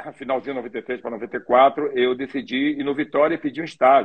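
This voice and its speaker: Here is a man with an unremarkable speaking voice. He goes at a fairly quick pace, his pitch fairly high with ordinary variation. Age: 60s. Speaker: football coach and fitness trainer. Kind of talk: interview.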